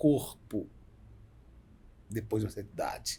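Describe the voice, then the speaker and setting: This man talks fairly slowly in a somewhat breathy voice. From Brazil, Minas Gerais (Belo Horizonte). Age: 60s. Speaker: actor. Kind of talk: interview conversation.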